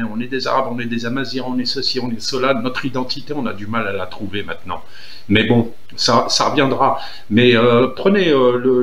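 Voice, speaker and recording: A man's voice: medium pitch, a bit bright, roomy sound. A man from Algeria speaking in a casual, earnest monologue, hesitant with many fillers and restarts. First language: Algerian Arabic (Derja). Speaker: political commentator.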